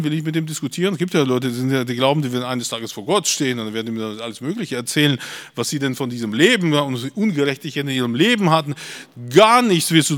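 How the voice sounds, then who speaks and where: A man delivering a sermon in a reverberant hall, his voice pitched a little high. He preaches bluntly and emphatically, rising to loud declarations and dropping to low asides. He sounds middle-aged. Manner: blunt, emphatic preaching with sharp swings in loudness.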